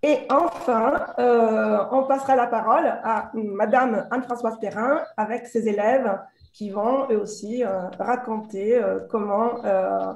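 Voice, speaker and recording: A woman's voice: fairly high pitch, vocal fry, darkish tone. A woman hosting an online meeting, giving semi-formal introductions in hesitant phrases over a video call. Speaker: host, moderator. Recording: roomy, echoey video call.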